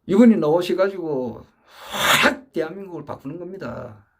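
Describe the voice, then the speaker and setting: A man's voice: high voice, lively intonation, moderate pace, a little mellow. A man giving an earnest monologue lecture, emphatic and repetitive, often restarting his phrases as he builds his point. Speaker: political supporter giving a talk.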